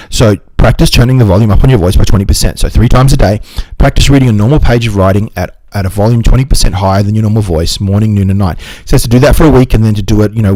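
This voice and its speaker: A man's voice: lowish voice, a little mellow, no echo, low-quality recording. A man hosting a book review channel, talking to the camera in an earnest way and often restarting his sentences. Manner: quick and earnest, with frequent restarts. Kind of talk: casual talk to camera.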